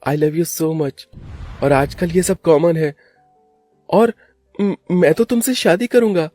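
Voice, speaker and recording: A man voicing a smooth-talking young lover in a cartoon, coaxing and persuasive. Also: fairly high pitch, takes it slowly, mellow, no room sound, faint music behind, pitched above the performer's own voice.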